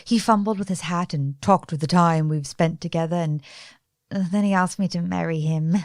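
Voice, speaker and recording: A woman's voice: lowish voice, moderate pace, no room sound, clean studio sound, close to an everyday voice. A woman as bubbly, gushing young Lucy. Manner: gushing, chatty, excitable. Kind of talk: stage radio play acting.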